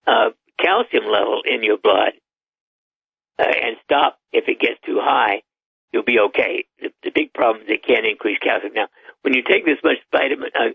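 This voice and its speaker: Gravelly old man on a phone line. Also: medium pitch, dry recording. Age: 80s. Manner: matter-of-fact, advisory, with chuckles. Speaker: doctor guest. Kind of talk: radio call-in interview.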